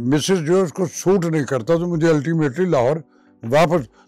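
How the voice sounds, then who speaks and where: A man's fairly high voice, with ordinary pitch variation, comes through over music in the background. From Pakistan. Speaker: actor. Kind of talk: interview answer.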